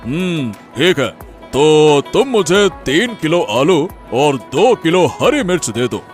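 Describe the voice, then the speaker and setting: A man's voice: a little high, very animated, slow pace, soft background music. A man voicing a jovial village householder in a cartoon story, easygoing and chuckling.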